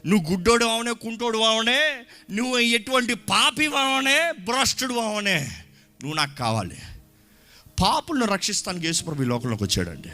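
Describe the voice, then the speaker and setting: A man preaching a lively sermon to his congregation in a church, shouting at times and mixing in English phrases. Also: high voice, normal speed, faint music behind. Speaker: pastor. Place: church hall.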